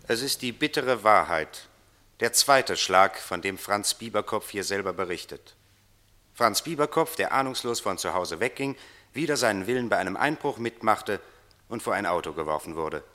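Forceful, low-pitched solemn chronicler. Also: male voice, lively intonation, normal speed. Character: grave, moralizing male chronicler of a man's downfall. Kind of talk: scripted radio play narration.

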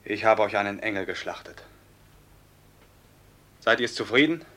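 An actor playing a young robber captain, torn and remorseful, declaiming intensely in a classic radio play. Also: male voice, fairly low pitch, animated, normal speed, a bit bright. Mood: bitter.

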